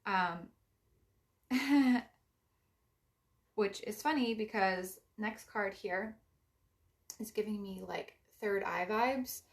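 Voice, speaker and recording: A young woman with a raspy voice giving a casual spiritual card reading, meandering with gentle advice. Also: mid-range voice, extremely slow, long pauses. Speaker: psychic card reader.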